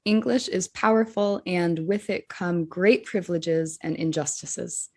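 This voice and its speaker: A woman's voice: fairly low pitch, unhurried. A woman with a Rhode Island accent co-hosting a teachers' podcast, talking earnestly and thinking aloud through rhetorical questions. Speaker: podcast co-host, English teacher. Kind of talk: scripted podcast discussion.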